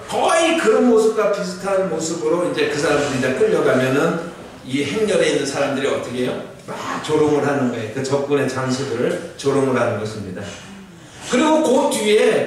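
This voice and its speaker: A man's voice: a little high, a little hiss or hum. A middle-aged man preaching a sermon as pastor, talking conversationally and often putting questions to his congregation. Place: church sanctuary. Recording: very echoey hall, voice from far off.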